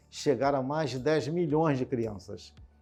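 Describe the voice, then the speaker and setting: Music plays in the background while a man talks. His voice is fairly high-pitched and his pace moderate. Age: 70s. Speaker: educator and author. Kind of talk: interview answer.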